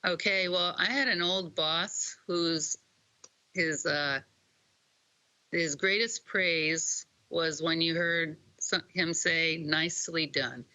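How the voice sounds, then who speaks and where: A senior official giving informal congratulatory remarks in halting phrases with frequent pauses. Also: medium pitch, steady tone, bright, forceful tone, clean tone, dry recording. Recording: dull, band-limited link.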